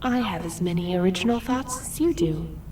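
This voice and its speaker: A woman's voice: fairly low pitch, lively intonation, normal speed, darkish tone, a little hiss or hum, close to an everyday voice. An actress playing a woman's uncanny doppelganger in an audio drama, cryptic, cool and mocking. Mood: cool, needling. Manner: echoes words, taunting, cool.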